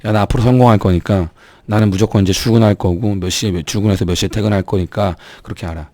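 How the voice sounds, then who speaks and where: A man's voice: on the low side, fairly even intonation, fast, a little mellow, dry recording. A man with a strained, sore throat speaking earnestly and emphatically to viewers in a motivational vlog, urging them on as an online business YouTuber.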